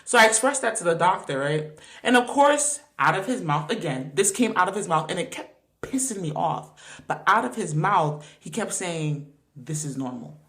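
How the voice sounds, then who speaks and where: A woman's voice: on the low side, animated, moderate pace, fairly bright tone. A woman in her twenties hosting a podcast, telling a personal story in an emphatic, slangy way with frequent laughter. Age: 20s. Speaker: podcast host.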